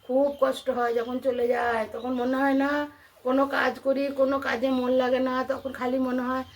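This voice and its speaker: A woman's voice: high voice, flat delivery, a little fast. A middle-aged woman with an Indian Bengali accent chatting casually to viewers in a home vlog, repeating herself and asking rhetorical questions. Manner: chatty and repetitive, addressing listeners with frequent rhetorical questions. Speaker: housewife vlogger.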